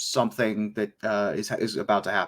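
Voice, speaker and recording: A man with an unremarkable speaking voice speaks with ordinary pitch variation. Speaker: radio show co-host. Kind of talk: radio talk show discussion.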